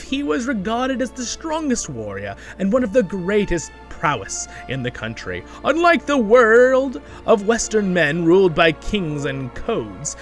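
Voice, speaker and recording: A solemn fantasy chronicler, put on by a man, tells legends in a raised, sweeping voice over music. The delivery is grand, measured and dramatic, like a storybook epic. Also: high-pitched, a bit bright, pitched above the performer's own voice, full character voice. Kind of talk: expressive fantasy story reading.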